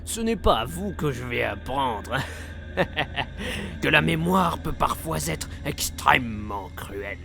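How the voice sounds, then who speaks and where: A man playing a mad, theatrical supervillain clown in a French game fan dub, menacing and wistful, with a creaky voice. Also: mid-range voice, big pitch swings, takes it slowly, exaggerated voice. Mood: sinister, brooding. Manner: theatrical monologue, breaking into cackles. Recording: dramatic music behind the voice.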